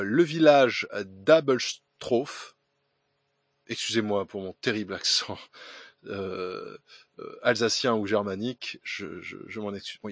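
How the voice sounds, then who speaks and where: A man's voice: mid-range voice, fairly bright tone, no echo, studio quality. A man hosting a podcast, reading listener letters aloud with hesitant fillers, restarts and ironic asides. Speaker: podcast host.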